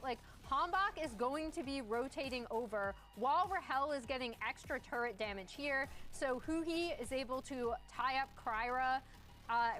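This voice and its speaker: A woman's voice: high-pitched, a bit bright. A woman giving conversational, detailed analysis of an esports match on a broadcast desk.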